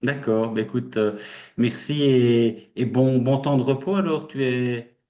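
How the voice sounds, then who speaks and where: A man interviewing a guest, asking questions in slow, searching phrasing. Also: medium pitch, dark tone, highs cut off. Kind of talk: conversational interview.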